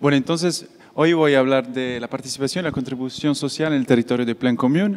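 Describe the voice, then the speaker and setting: A man talking at a very fast pace with ordinary pitch variation. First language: not Spanish (speaking Spanish). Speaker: researcher; conference presenter. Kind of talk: conference presentation; conference talk. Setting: conference hall, university. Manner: halting, many fillers and repeats. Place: hall. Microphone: handheld.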